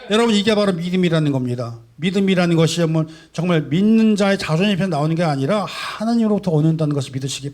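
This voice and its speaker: A male pastor preaching a sermon, asking rhetorical questions and swinging between soft and loud emphasis. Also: high-pitched. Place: church sanctuary.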